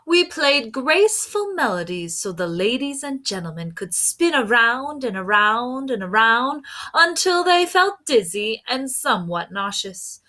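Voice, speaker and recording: Proud violin character for a storybook, read by a woman. Prim and huffy, animated pitch. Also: measured pace, full character voice. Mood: airy, proud.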